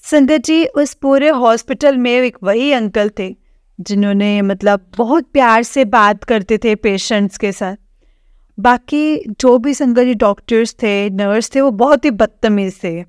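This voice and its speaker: A young woman from Jammu telling a congregation a personal story of faith, halting and repetitive with frequent fillers. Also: medium pitch, darkish tone, clear, resonant tone, no room sound, studio quality. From Jammu, India. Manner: halting, with many fillers and repeated phrases. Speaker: devotee sharing testimony. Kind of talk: personal testimony to a spiritual congregation.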